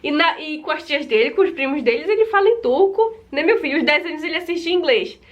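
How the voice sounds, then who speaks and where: A chatty young woman from Brazil talks straight to camera in a high, bright voice. She keeps calling out to her viewers in a casual, easygoing chat. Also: lively intonation, fast, muffled recording. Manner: chatty, repeats "gente" often. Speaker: vlogger.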